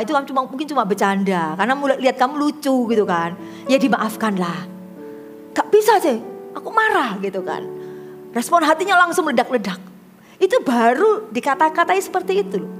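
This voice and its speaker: A middle-aged woman pastor preaching a sermon, telling stories and acting out the voices of the people in them. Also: on the high side. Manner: lively storyteller acting out quoted dialogue. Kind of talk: sermon with storytelling.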